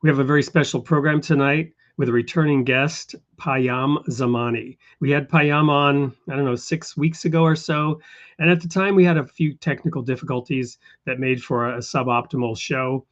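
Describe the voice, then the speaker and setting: A man hosting an interview show, talking in a measured, conversational way with a few fillers. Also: mid-range voice. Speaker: host. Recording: dull lo-fi sound.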